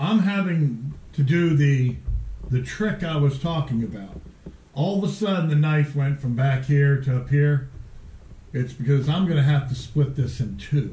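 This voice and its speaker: With audible room echo, a man talks at a fairly slow pace with ordinary pitch variation. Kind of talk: casual tutorial commentary. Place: workshop.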